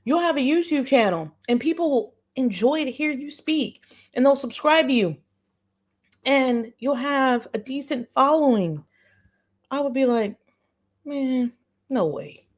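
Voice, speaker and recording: A woman's voice: high-pitched, expressive, unhurried. A woman hosting a live stream in casual reaction chat, informal and slangy, often saying y'all. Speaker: live-stream host and commentator.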